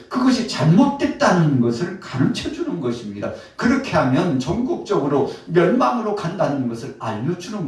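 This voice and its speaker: Male pastor, mid-pitched, preaching in a booming hall and heard from afar, rising to emphatic peaks. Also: a little mellow. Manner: preaching with rising emphatic peaks and frequent direct address to the congregation. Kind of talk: Wednesday service sermon. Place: church sanctuary. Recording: very echoey church hall, voice from a distance.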